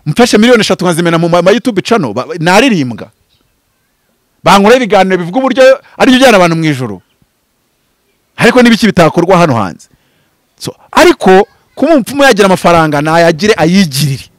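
A man in his thirties from Rwanda, a pastor speaking in an impassioned, preaching style, swinging from loud bursts to low murmurs. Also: sing-song, fast talker, pauses often, no echo. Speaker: pastor and prophet. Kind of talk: animated preaching-style interview talk. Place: outdoors before green foliage. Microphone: handheld mic held close.

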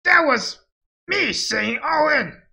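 A man's voice: very high voice, sing-song, slow pace, vocal fry, pushed and bright, heavily acted. A man voicing a cocky, boastful masked male wrestler in a brash put-on voice for a fan voice demo. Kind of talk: fan voice demo of game quotes.

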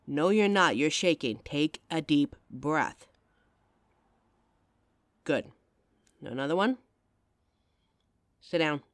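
A woman's voice: deep voice, expressive, slow, pauses often, dry recording. A woman playing a caring young adult girlfriend in an audio roleplay, talking intimately and emotionally straight to the listener on a close mic. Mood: tender, reassuring.

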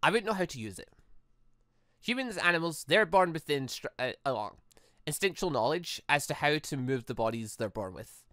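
An earnest android girl from a visual novel, troubled and halting as she confides, read out by a gamer. The voice is medium in pitch and bright, with a dry sound. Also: lively intonation, dry recording, lightly acted. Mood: thoughtful. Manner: hesitant, halting, thoughtful.

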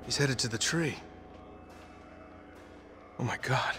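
A man's voice: mid-range voice, takes it slowly, background noise, lightly acted. An American man playing a rugged, earnest adventurer in his thirties in a video game cutscene. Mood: puzzled, realising. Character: rugged, earnest young male adventurer, urgent and determined.

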